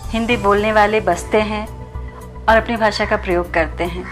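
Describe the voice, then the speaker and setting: A woman editor welcoming viewers to a poetry event in a brisk, formal and earnest manner. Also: medium pitch, a bit bright.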